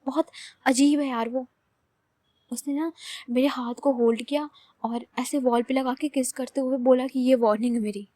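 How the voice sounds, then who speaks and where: A woman's voice: high-pitched, fairly even intonation, normal speed, warm tone, no room sound, lightly acted. A woman voicing a hot-tempered, possessive young woman who talks bluntly and impatiently.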